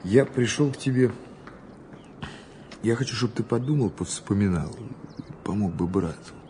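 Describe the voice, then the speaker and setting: Actor as low-voiced investigator with lively intonation. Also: male voice, lightly acted. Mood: probing. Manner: measured questioning, informal, alternating soft and firm. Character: male criminal investigator, probing, patient, quietly authoritative. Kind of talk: Russian audio drama acting. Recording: noticeable background noise.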